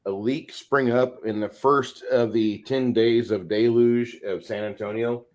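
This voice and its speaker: Dude in his 40s, regular pitch, sweary blunt cohost just chatting on stream. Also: fairly even intonation, unhurried, a little mellow. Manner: blunt, profane. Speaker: show co-host. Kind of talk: casual livestream chat.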